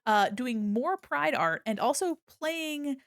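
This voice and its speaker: A woman's voice: sits high, lively intonation, slow, no room sound, studio quality. A woman hosting a casual livestream, chatting to viewers in a cute, bubbly, playful and gushing anime-streamer manner. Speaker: livestream host, illustrator and animator.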